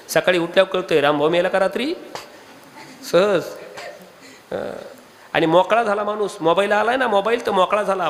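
Marathi guy preaching a kirtan, pretty high voice, keeps firing questions at the crowd, big echoey hall. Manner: animated, rhetorical questions to the audience. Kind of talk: devotional sermon.

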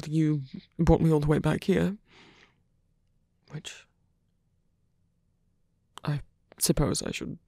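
A man playing a tender, teasing villain in an intimate ASMR roleplay, breathy and hesitant, often dropping to a whisper. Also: a little high, dry recording, studio quality, full character voice. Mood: tender, weary. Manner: hesitant, halting, soft-spoken. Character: male villain, tender, teasing, smitten with rescuer. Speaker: voice actor.

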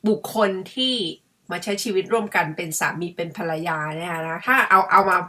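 Middle-aged Thai woman vlogger, bright tone, rambling and conversational. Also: lowish voice, brisk. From Thailand. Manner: chatty, musing, refers to herself by her own nickname. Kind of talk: casual chat to camera.

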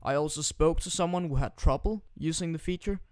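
A Danish teenage boy talks in a forced British accent, loose and joking with plenty of restarts. His voice sits a bit high and comes through smooth and clean. The sound is dry and close to the mic. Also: fairly quick, darkish tone, no room sound. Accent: put-on British accent. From Denmark. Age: teens. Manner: rambling, joking and crude, with frequent restarts. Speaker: gaming YouTuber. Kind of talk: casual screen-recording tutorial commentary. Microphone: new desktop microphone.

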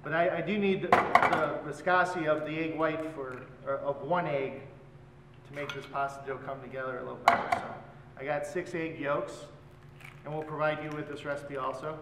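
A man's voice: fairly high pitch, moderate pace. A man in his forties, a chef teaching a cooking class and explaining each step as he works. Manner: relaxed, explains while working with his hands. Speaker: chef instructor. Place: large hotel function room, indoors. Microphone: far camera. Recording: echoey hall, voice from far off, loud background noise.

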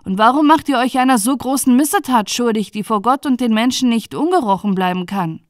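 Woman playing a stern male judge, indignant, raised pitch, loud declaiming, storybook fairy tale. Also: a little fast, dry recording, studio quality, natural voice.

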